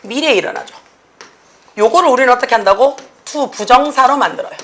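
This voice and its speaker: Woman, English grammar teacher, slightly high voice, lively classroom lecture, constant tag questions. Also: brisk. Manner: lively, tag questions after nearly every sentence, acts out students' replies. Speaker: middle-school English teacher.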